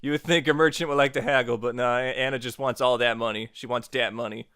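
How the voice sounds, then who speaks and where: Man, crisp clear voice, informal tutorial narration, jokey host, dry close mic. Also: medium pitch, steady tone, quick pace, sharp tone, no echo. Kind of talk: casual scripted-style tutorial narration.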